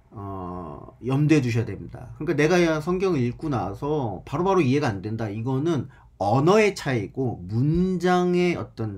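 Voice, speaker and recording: Mumbling and somewhat breathy, a man speaks at a moderate pace with very wide pitch swings, and audible room echo is heard. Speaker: pastor teaching Bible to church teachers. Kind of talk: online Bible lecture. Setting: recording alone for online class. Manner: mumbled pronunciation, low energy. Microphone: laptop built-in mic, uneven volume.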